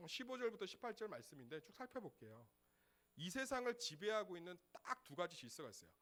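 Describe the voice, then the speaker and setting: A middle-aged pastor preaches in a lively, swooping voice that sits a little high for a man. He talks to the congregation like a conversation, tossing out rhetorical questions and having them repeat phrases back. His delivery is animated rather than solemn. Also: quick pace. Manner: leads congregation in call-and-repeat. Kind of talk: sermon.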